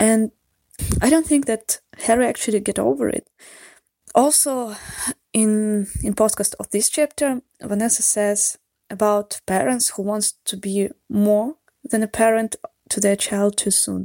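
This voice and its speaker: The voice carries a Russian accent and a dark, mellow tone, with ordinary pitch variation, long, frequent pauses and a dry, close sound with no echo. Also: woman, fairly high pitch for a woman. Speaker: listener leaving voicemail. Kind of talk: recorded voicemail.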